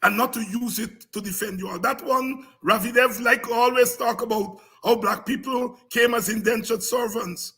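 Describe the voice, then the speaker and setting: A man with a Guyanese accent giving an impassioned, informal history lecture as a programme host, emphatic, repetitive and combative, with a raspy, gravelly voice. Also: very high voice, steady tone, moderate pace, few pauses, bright, forceful tone.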